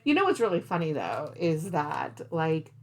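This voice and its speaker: A woman hosting a cross-stitch vlog chats to camera in a low, creaky, sing-song voice at normal speed. She rambles casually and thinks aloud as she works.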